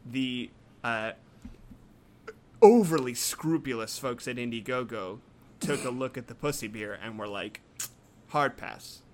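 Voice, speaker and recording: A man's voice: mid-range voice, animated, measured pace. A man in casual comedic chat, rambling and mock-outraged.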